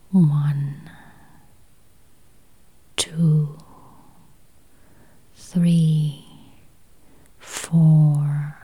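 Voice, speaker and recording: A woman leads a guided meditation in a soft, whispery voice, gently speaking in short, spaced phrases. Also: deep voice, slightly rough. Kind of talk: guided meditation, counting and affirmations.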